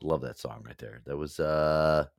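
Very deep-voiced rambling man host. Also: measured pace, dry recording, clean studio sound. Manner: rambling, repeats himself, swears. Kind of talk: casual call-in show banter.

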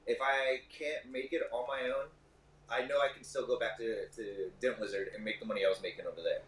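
A man's voice: medium pitch, fairly even intonation, brisk, fairly bright tone, recorded from a distance, a little hiss or hum. A man in his thirties from Michigan, a shop owner guest telling long, rambling stories in a casual podcast chat. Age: 30s. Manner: talkative, rambling storyteller. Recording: roomy, off-mic.

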